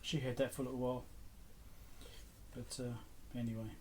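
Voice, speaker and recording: A man's voice: mid-range voice, level tone, fairly quick, very noisy. A middle-aged man talking casually off the cuff, musing to himself like a vlog host as he goes through items. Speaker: host of an electronics repair channel.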